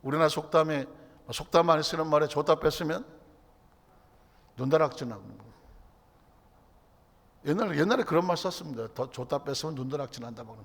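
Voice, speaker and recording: A middle-aged man preaching a Friday night sermon as pastor. He asks the congregation rhetorical questions and swings between loud, emphatic exclaiming and hushed near-whispers. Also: a little high, a little fast, pauses often. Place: large church sanctuary. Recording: church hall reverb.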